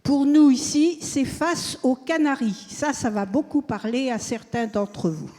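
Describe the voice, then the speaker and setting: A woman from the audience asking a question at a public talk, measured and deliberate. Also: high-pitched, mellow. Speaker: audience member. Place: large hall at a public event. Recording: reverberant hall.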